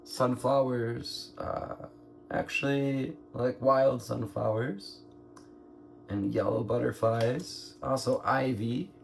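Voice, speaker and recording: A man with a scratchy, hoarse throat doing a slow, musing spiritual tarot reading, clearing his throat now and then. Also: mid-range voice. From United States. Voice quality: gravelly. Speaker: tarot reader.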